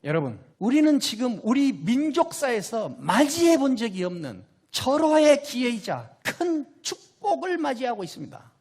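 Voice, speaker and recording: A man's voice: very high-pitched, huge pitch swings, normal speed, few pauses, darkish tone, slightly rough. A man giving an impassioned, emphatic rallying political speech, building rhetorical questions into rousing appeals. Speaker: political speaker and scholar.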